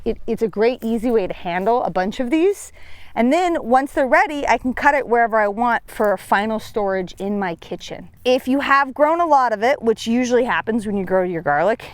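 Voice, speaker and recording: Young woman, gardening teacher, chatty and self-deprecating, slightly high voice, dry close sound. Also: animated, fairly quick, no echo. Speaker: seed company gardener. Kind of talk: outdoor gardening tutorial. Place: outdoors on a farm.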